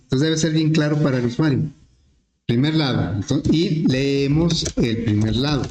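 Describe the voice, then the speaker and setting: A male teacher explaining an algorithm step by step in a relaxed lesson, with frequent fillers. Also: on the high side, normal speed. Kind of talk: programming lesson. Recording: echoey classroom with faint noise.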